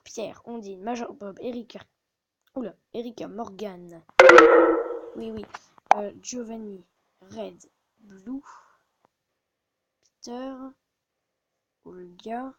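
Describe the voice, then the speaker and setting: A woman's voice: mid-range voice, slow, long pauses, mellow, slight background noise, poor audio. A woman hosting a casual gaming video, muttering to herself and often stopping to correct herself, recorded on a phone. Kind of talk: casual gameplay commentary.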